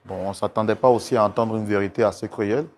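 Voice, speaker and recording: A man's voice: lowish voice, fairly even intonation, quick pace, darkish tone. A male talk show host on a studio set, pleading and soothing a guest over and over in an emotional testimony show. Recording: noisy studio recording.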